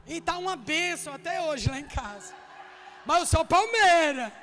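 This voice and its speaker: A woman preacher with a Northeastern Brazilian accent, giving a jokey, chatty sermon that bursts into shouts. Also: very high voice, animated, normal speed, long reverb tail, a little hiss or hum. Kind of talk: lively humorous sermon. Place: church hall.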